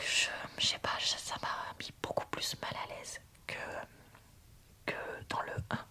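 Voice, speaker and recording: A woman whispering an ASMR book review in a soft, breathy, informal and slightly hesitant way.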